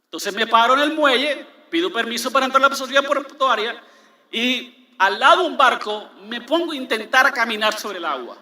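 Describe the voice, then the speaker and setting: A man's voice: very high-pitched, lively intonation, normal speed, pushed and bright, reverberant. A man preaching a sermon as pastor, emphatic, repeating key words and asking the congregation questions. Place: large church.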